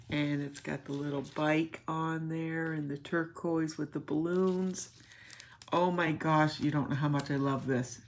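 A woman hosting a craft channel, gushing warmly over gifts as she unboxes them, emotional and sometimes dropping to a whisper. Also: deep voice, slight background noise. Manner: gushing and tender, often drops to a whisper. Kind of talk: casual gift unboxing chat.

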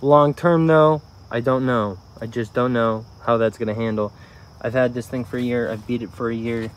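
A man's voice: medium pitch, fairly even intonation, normal speed, slight background noise. A man casually reviewing pressure washers outdoors, talking in a rambling way with lots of fillers, recorded on a body-worn camera. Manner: rambling, self-correcting, filler-heavy. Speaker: tool reviewer. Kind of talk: casual product demo vlog. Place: outdoor garden walkway by a tree. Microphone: body-worn camera, first-person view.

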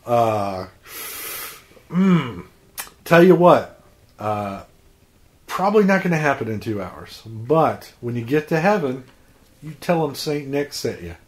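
A man hosting a podcast, telling a comic story in a halting, deadpan, profane way. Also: mid-range voice. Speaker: podcast host.

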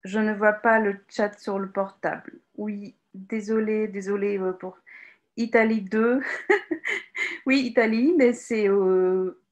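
A woman from Ukraine leading an online teacher workshop in French on a video call, lively and encouraging, with many hesitations and fillers. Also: mid-range voice, takes it slowly, muffled recording. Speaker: teacher trainer giving a webinar talk. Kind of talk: live online workshop presentation. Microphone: computer mic on a video call.

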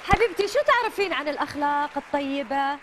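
A woman's voice: high-pitched, lively intonation, quick pace, crowd noise, background noise. A woman in her thirties with a Gulf Arabic accent, presenting a children's quiz show and prompting with short repeated questions and phrases. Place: colourful indoor TV studio children's set.

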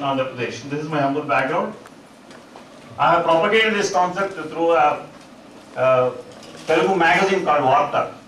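A middle-aged man with an Indian English accent gives a halting conference talk as a psychologist, full of uh fillers and restarts, on a large auditorium stage. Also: a little high, a bit bright. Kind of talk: conference presentation. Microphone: distant room mic, speaker standing on stage. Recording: echoey auditorium, far from mic, noisy.

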